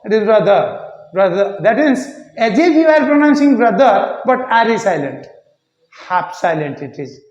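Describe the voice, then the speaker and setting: A man teaching an English pronunciation lesson, repeating words slowly to show how they should sound. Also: very high-pitched, lively intonation. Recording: echoey room, muffled lo-fi sound.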